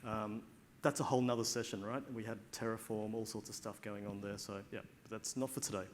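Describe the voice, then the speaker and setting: A man's voice: on the low side, level tone, brisk, slight background noise. An Australian man speaking at a tech conference, chatty and informal, with many fillers and restarts, on a stage microphone. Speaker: conference speaker, data platform lead. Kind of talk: conference talk.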